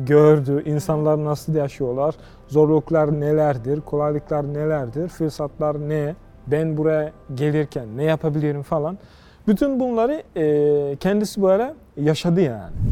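With an East African accent, a man talks at a fairly slow pace in a fairly high, dark and mellow voice with ordinary pitch variation. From Tanzania. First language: Swahili (speaking Turkish). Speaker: graduate student. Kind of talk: interview. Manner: halting.

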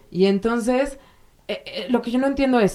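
The voice has a dark, mellow tone and a Mexican accent. Its pitch variation is ordinary. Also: woman. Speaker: podcast co-host. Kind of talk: casual chat.

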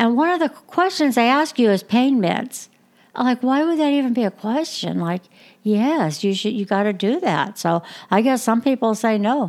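A fairly high-pitched female voice with very wide pitch swings and very even loudness, at a moderate pace, in a very clean recording with a silent background. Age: 60s. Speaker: podcast co-host. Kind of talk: casual chat. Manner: animated.

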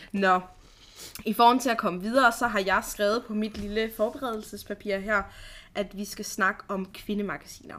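With a normal speaking voice, a woman talks at a moderate pace and a medium pitch. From Denmark, rural village. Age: 20s. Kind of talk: casual chat.

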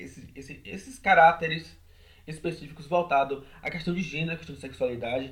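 A man's fairly high, somewhat breathy voice. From Recôncavo, Bahia, Brazil. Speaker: medical student and activist. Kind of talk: interview. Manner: halting, many fillers.

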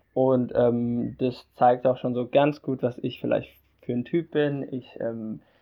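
This is a man speaking at a medium pitch. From Berlin. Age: 20s. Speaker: podcaster and YouTuber. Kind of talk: casual podcast intro. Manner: animated.

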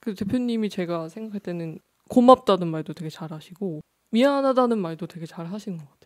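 A woman talks at a fairly quick pace with lively intonation. The recording is very clean and the background silent. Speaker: studio manager. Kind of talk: casual chat. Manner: trails off, hesitant.

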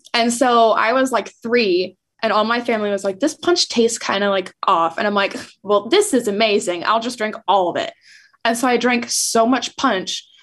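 A woman with a normal speaking voice talks at a moderate pace and a fairly high pitch, with ordinary pitch variation. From Iowa. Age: 20s. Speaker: photographer. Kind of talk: casual chat.

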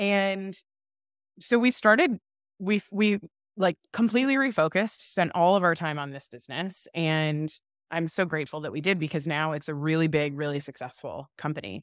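An ordinary speaking voice with an American accent moves at a moderate pace with lively intonation on a very clean recording with a silent background. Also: woman, fairly low pitch for a woman. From Florida, Orlando. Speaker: wine company founder, entrepreneur. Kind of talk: interview.

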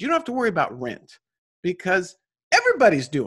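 A man's animated tone at a fairly quick pace, over a quiet background. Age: 40s. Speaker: author and speaker. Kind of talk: casual chat. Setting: live stream.

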